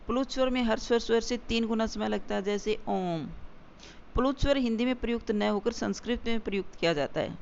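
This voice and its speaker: A grammar teacher explaining definitions step by step, repeating key points and slowing down for examples. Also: mid-range voice, gravelly. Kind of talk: exam-prep grammar lesson. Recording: dull lo-fi recording with faint hiss.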